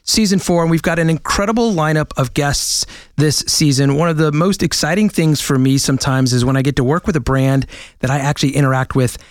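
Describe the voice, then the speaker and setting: A man's voice: fairly high pitch, fairly quick, dry recording, clean studio sound. A man hosting a marketing podcast, chatting with enthusiasm and frequent restarts. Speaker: podcast host. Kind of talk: podcast interview. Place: New York studio.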